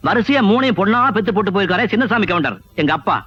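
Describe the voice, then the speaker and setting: A man's voice: high-pitched, expressive, racing, breathy edge, heavily acted. A man playing a blunt, stubborn landowner and elder brother in an old film. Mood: angry scolding. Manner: blunt, sharp-tongued. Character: proud stubborn village landowner, hot-tempered elder brother. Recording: dull lo-fi film soundtrack with music.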